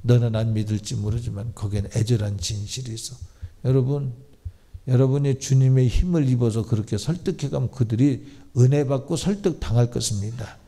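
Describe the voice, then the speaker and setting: A man's voice: medium pitch, a little fast, warm tone. A Korean pastor preaching an emphatic sermon in a church, often switching to blunt informal talk to address the congregation. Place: church sanctuary.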